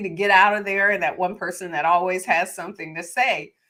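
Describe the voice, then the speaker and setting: Loud and animated, a woman speaks in a bright, sharp tone. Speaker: emotional wellness coach. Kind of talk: live stream talk.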